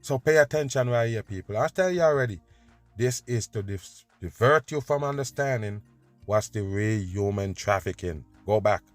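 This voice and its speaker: A man's voice: lowish voice, lively intonation, normal speed, no echo, faint music behind. A male host reacting to video clips with emphatic, scornful commentary, urging listeners to pay attention.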